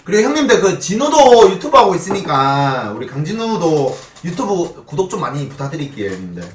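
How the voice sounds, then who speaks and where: Very animated, higher-pitched young man, echoey room. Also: a little fast, recorded from a distance, slight background noise. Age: 20s. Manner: animated, swearing banter with laughter. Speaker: streamer hosting a mukbang talk show with a guest. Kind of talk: casual live-stream chat. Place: small indoor streaming room. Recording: roomy echo, off the mic.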